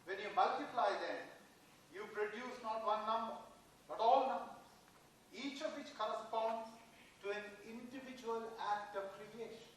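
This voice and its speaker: A man playing a shy, proud and devout young Indian mathematician in a play reading, earnest and at times halting. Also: high voice, a bit bright. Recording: very echoey, distant hall recording with noise.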